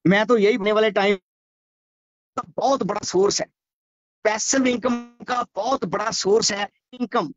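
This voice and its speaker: A man giving an earnest motivational business pitch over a video call whose audio keeps breaking up. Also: steady tone, moderate pace, long pauses, no room sound. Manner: earnest, repeats key phrases. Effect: choppy, breaking-up video call audio. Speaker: business network guest speaker. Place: remote border area. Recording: dull lo-fi call line, dry.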